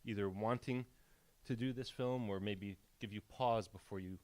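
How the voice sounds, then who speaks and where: A man moderating a live panel on stage, speaking haltingly and often rephrasing his questions as he goes. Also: fairly low pitch, fairly even intonation, a little mellow. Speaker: moderator, president of a peace-building organization. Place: on stage at a film premiere event.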